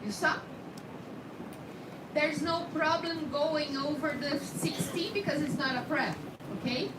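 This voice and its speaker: High-pitched Brazilian woman teaching, echoey, noisy room. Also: unhurried. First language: Portuguese. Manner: checks understanding often. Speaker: instructor in dental scanning. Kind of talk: hands-on technical demonstration to trainees. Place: indoor training room with background noise. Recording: echoey room, distant mic, heavy noise.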